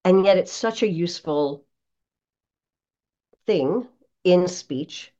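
A woman's voice: fairly low pitch, slow, highs cut off. A woman giving conversational coaching advice as an interview guest, speaking expressively and emphatically. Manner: expressive, emphatic, acts out examples.

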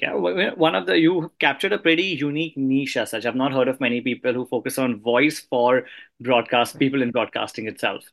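A man's voice: mid-range voice, gravelly, a bit bright. A man hosting a podcast interview, speaking in an articulate, polite way. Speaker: podcast host. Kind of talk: podcast interview, scripted introduction.

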